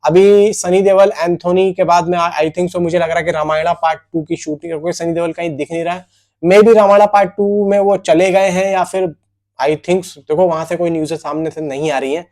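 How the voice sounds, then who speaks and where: A man's voice: high-pitched, level tone, moderate pace, darkish tone. A man presents film news. He speaks informally, as if chatting with his viewers, often putting questions to them and answering them himself. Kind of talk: casual film news commentary.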